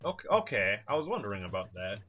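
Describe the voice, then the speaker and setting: Fairly low-pitched and very animated, this man talks fast with a breathy edge. He's a let's player doing loose, rambling, swear-prone video game commentary, captured on a dull lo-fi mic over the game's music.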